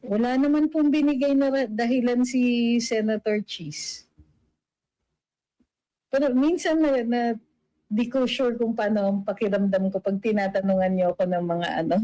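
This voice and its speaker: A middle-aged woman with a mellow, warm tone talks through the news in a loose, chatty way. She reads out viewer comments, often pausing on fillers, and slips into English phrases now and then. The sound is dry and close. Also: on the high side, fairly even intonation, no room sound, rough recording. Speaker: political vlogger.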